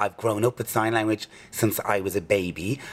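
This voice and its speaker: With noticeable background noise, a man in a Dublin accent talks at a moderate pace and with fairly even intonation. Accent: Dublin Irish. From Ireland, Dublin. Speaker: drag performer and bingo host. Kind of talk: interview.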